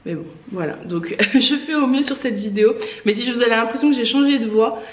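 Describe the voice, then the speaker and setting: A woman's voice: a little high, a little fast, roomy sound. A woman who owns a clothing shop, chatting casually in a try-on vlog, her voice congested from a lingering cough, with many fillers and eager praise for outfits. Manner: chatty, filler-heavy, enthusiastic about outfits. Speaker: online clothing shop owner. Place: indoors, in front of a mirror.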